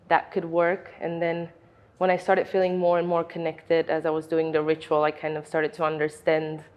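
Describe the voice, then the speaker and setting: Young woman, from Romania, low even voice, reflective, slightly muffled recording. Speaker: master's student. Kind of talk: reflective interview talk.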